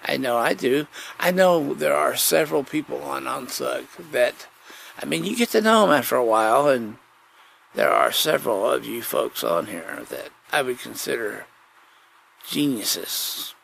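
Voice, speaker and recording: A man rambling casually through a solo podcast monologue, halting and digressive, often repeating himself. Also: medium pitch, big pitch swings, fairly bright tone. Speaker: podcast host. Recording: clearly noisy background.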